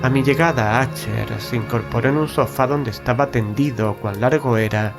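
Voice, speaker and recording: A man's voice: medium pitch, creaky. Solemn male horror narrator over music. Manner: solemn, measured, literary delivery. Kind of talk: scripted horror audiobook narration. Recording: prominent music bed under narration.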